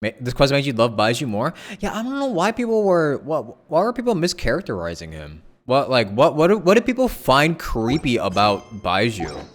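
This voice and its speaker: A man chatting casually on a game livestream, thinking aloud in a halting way and repeating his phrases. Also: mid-range voice, wildly swooping pitch, faint music behind. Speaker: game streamer. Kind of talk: casual livestream chat with viewers.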